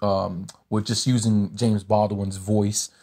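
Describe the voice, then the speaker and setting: A man's voice: lowish voice, level tone, takes it slowly, a little mellow. A man hosting a podcast interview, speaking thoughtfully with many fillers and long questions. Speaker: podcast host. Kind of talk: conversational interview.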